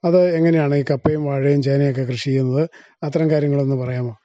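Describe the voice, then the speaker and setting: Very mellow, quick-talking Kerala man interviewing. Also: medium pitch, fairly even intonation, no room sound. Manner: inquisitive, often ends with confirming tag questions. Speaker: radio interviewer. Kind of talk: conversational interview questioning. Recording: dull, band-limited dry radio recording.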